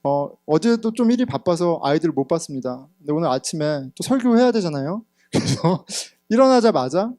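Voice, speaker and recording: A man in his thirties preaching a sermon as pastor, telling a personal story candidly, getting loud at times and hushed at others. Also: fairly high pitch, no room sound, clean studio sound. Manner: candid storytelling, sometimes laughing, swings between loud and hushed. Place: church sanctuary.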